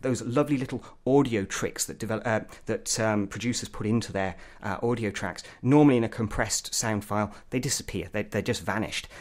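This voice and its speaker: A man's voice: fairly low pitch, fairly quick, hardly any pauses. A man giving an opinionated, blunt product review as a tech reviewer.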